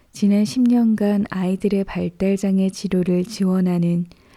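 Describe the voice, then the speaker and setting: A woman speaks at a very slow pace and medium pitch, somewhat breathy, with a calm, dark, mellow tone and monotone, flat intonation on a very clean recording with a silent background. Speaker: audiobook reader. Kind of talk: audiobook reading, sleep-time reading ASMR. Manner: calm, soft, slow.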